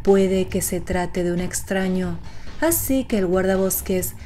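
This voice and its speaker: Woman narrator with a mellow tone. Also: medium pitch, a little slow, faint music behind. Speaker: narrator of horror series explainer videos. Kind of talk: scripted narration.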